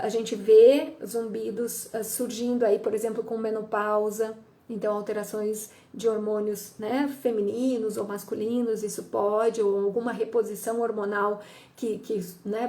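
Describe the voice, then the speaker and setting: Woman clinician explaining stuff, kinda high voice, checks in a lot, acts out what patients say. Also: flat delivery, measured pace, mellow. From Brazil. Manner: didactic, frequent "tá?" check-ins, acts out patient quotes. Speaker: audiologist and psychologist. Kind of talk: explanatory health talk.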